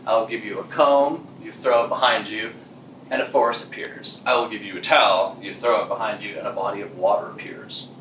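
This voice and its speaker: A man voicing a helpful hungry black cat that speaks in a low hurried whisper. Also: fairly even intonation, a bit bright, a little hiss or hum, natural voice. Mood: urgent. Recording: echoey room, mic far off.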